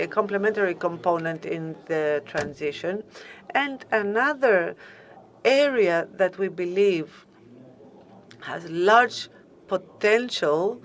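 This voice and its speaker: Slow, halting woman speaker. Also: medium pitch. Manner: halting, measured, searching for words. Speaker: conference panel speaker. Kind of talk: formal conference remarks.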